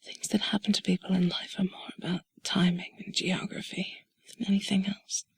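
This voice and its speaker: A woman doing an intimate whispered role-play in a soft, breathy, sultry and soothing voice, speaking slowly and deliberately, close to the mic. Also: fairly low pitch, little pitch movement. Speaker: intimate audio narrator. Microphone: close mic, dry.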